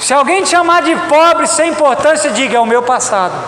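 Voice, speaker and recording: High-pitched Brazilian man preaching in echoey hall. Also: animated, brisk. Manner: emphatic, repetitive, addressing the congregation directly. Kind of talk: sermon. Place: reverberant church hall. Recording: echoey hall, loud background noise.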